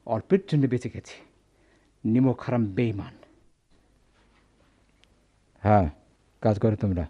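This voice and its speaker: An actor playing a brisk, emotional middle-aged jewellery merchant in a radio drama, speaking emphatically and theatrically. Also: male voice, fairly low pitch, dark tone. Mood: irritated. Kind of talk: Bengali radio drama acting. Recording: dull lo-fi radio drama sound.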